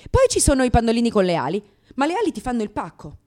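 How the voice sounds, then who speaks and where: A woman's voice: fairly high pitch, wildly swooping pitch, rapid-fire, warm tone. A woman performing a theatrical comic monologue as a brash, neurotic lesbian comedian, sardonic, exclamatory, crude and self-mocking. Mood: wry complaining.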